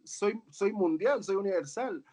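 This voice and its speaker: Guy talking slow and earnest, kinda high voice, keeps saying verdad. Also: warm tone, breathy edge. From Chile. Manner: earnest, tags phrases with "¿verdad?". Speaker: guest, author and coach. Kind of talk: reflective conversation.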